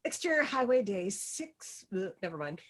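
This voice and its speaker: A woman's voice: mid-range voice, very animated, moderate pace. A woman narrating stage directions in an informal script table read.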